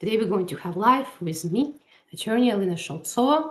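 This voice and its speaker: A woman speaks at medium pitch with a somewhat breathy voice. Her pitch swings very widely. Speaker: immigration lawyer. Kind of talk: live stream Q&A. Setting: live stream. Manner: halting with fillers.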